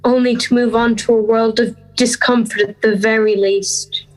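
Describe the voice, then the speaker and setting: A young woman playing a frightened, lost Red Riding Hood, a schoolgirl speaking an introspective audio drama monologue in halting short phrases. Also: on the high side, steady tone, lightly acted, rough recording. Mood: despairing. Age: young adult.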